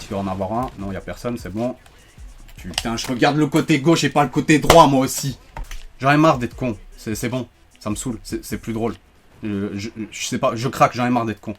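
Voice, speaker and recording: A man giving joking, animated commentary while playing a shooter, ranting when things go wrong. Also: mid-range voice. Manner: animated, joking, quick to rant when frustrated. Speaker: gaming YouTuber. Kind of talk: live gameplay commentary.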